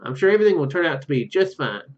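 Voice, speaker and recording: A man's voice: on the high side, sing-song, rapid-fire, highs cut off. A man playing an unsure, sincere young hero in a visual novel, with a hesitant, earnest delivery.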